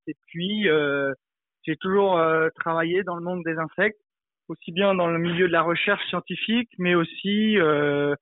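Male expert interviewee, high register, hesitant spontaneous explainer, dry and narrow telephone-style sound. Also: no echo. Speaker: entomologist, interview guest. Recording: tinny, narrow phone-like line, dry.

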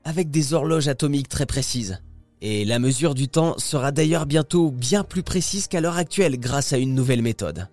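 A woman's voice: very deep voice, animated, moderate pace, a little mellow, faint music behind. A woman hosting a radio science programme, moving between scripted narration and interview questions.

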